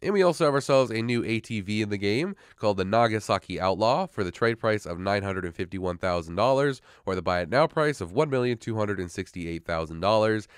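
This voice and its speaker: A man's voice: fairly low pitch, animated, smooth, dry recording, clean studio sound. A man hosting a casual gaming update video while sick with a sore throat, pushing through with an upbeat rundown. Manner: fast, upbeat despite being sick. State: sick, hoarse. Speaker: gaming channel host.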